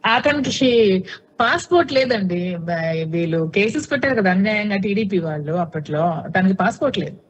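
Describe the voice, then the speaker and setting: A woman's voice: mid-range voice, expressive, normal speed. A woman answering questions in a TV interview, outspoken and insistent, often repeating her points.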